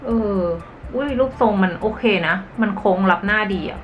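A woman's voice: medium pitch, normal speed, highs cut off, faint music behind. A woman chatting casually as a beauty vlogger, candid and playful, tossing in little sound effects as she goes. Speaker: beauty vlogger reviewing makeup. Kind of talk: casual makeup review chat. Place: home room, then outdoors.

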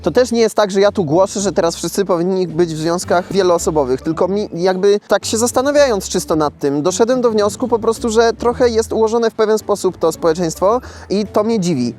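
A man's voice: sits high, a little fast, few pauses, darkish tone. A young man chatting casually and reflectively, hesitating a little as he thinks aloud.

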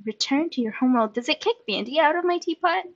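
A woman chatting casually while hosting a gameplay video, excitable and giggly, given to exclamations and sing-song bits. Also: high voice, fast, no echo, dull audio. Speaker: gaming video host.

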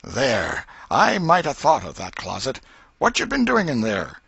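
Guy doing a fussing old auntie, drawl, highish, raspy, all over the place. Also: huge pitch swings, unhurried, sharp tone, dry recording, lo-fi sound, heavily acted. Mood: scolding. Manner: scolding, exclaiming, folksy dialect. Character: fussy, soft-hearted old aunt, scolding.

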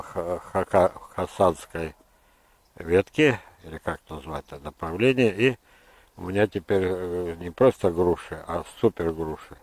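An older man, a gardener giving an unscripted, opinionated lesson, talking in a halting, digressive way. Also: low voice, darkish tone, no echo. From Russia. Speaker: gardener presenting his orchard. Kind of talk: unscripted instructional monologue. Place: outdoors in a hillside orchard.

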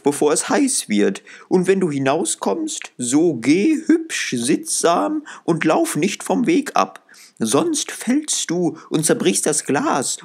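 A caring fairy-tale mother, put on by a man. The voice is lifted high above his own and instructs in an admonishing manner. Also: full character voice.

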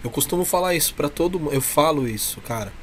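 A man's voice: on the high side, lively intonation, quick pace, fairly bright tone, a little hiss or hum. A man with a Brazilian accent chatting casually as an interview guest, emphatic and repeating his key phrases. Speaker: interview guest, member of a comedy troupe. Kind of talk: casual chat.

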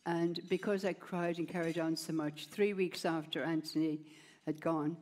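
A woman's voice: low-pitched, fairly even intonation, moderate pace, darkish tone. An older woman talking on a stage through a headset mic. She tells her story plainly and rambles a little, with lots of "you know" as she goes. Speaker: interview guest. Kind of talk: onstage conversation, personal story. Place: stage at a large gala, indoors.

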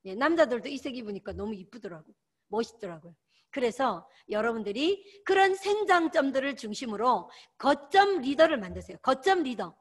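High, lively woman. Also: normal speed. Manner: emphatic, repeats key words, exhorting. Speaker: sales team lecturer. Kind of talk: motivational training lecture.

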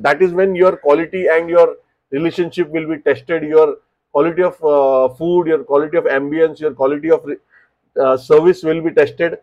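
A man in his thirties with an Indian English accent, giving business advice straight to camera in a small home office, animated and repeating words as he explains. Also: a little high, muffled recording. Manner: animated, gestures with both hands, repeats words while explaining. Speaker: restaurant business coach. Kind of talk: direct-to-camera advice talk.

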